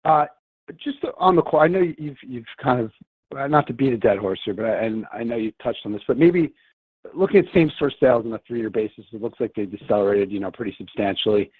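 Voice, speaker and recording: A man's voice: medium pitch, fast talker, slightly rough, dry recording. A man speaking as a financial analyst, asking questions informally on a conference call over a phone line. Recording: dry tinny phone line.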